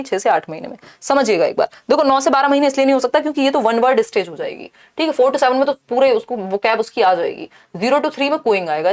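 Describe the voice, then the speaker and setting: A woman teacher explaining an exam-prep lesson step by step, mixing in English terms and asking rhetorical questions. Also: fairly high pitch. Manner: asks rhetorical questions and checks in with "thik hai".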